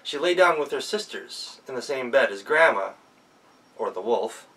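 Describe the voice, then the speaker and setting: A man telling a folktale as an animated storyteller, recorded at some distance from the microphone. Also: medium pitch, normal speed.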